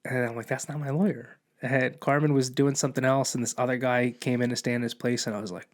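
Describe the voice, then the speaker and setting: A man's voice: mid-range voice, flat delivery, fast. A man, a police officer and podcast guest, telling a long personal story in casual conversation, rambling with many restarts and acting out quoted dialogue.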